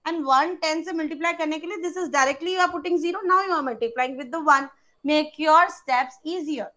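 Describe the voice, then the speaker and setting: Female maths teacher, South Asian accent, high-pitched forceful voice, instructive and question-led. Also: rapid-fire. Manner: instructive, prompting with short step-by-step questions. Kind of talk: interactive online class teaching.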